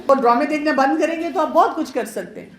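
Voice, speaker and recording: A woman pediatrician giving a chatty, advising marriage awareness talk to women, mixing in English words. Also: sits high. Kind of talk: informal lecture to women. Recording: roomy echo.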